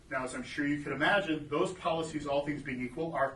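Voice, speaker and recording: With audible room echo and noticeable background noise, a man talks fairly quickly at a fairly high pitch. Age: 40s. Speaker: estate planning attorney. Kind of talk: seminar presentation.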